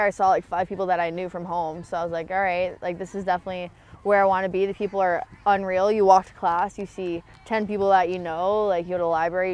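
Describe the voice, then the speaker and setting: A woman's voice: on the low side, darkish tone. A young adult woman from small-town Ontario with a Canadian accent, answering casually and slangily as an athlete being interviewed outdoors. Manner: informal, slangy. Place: outdoor sports field.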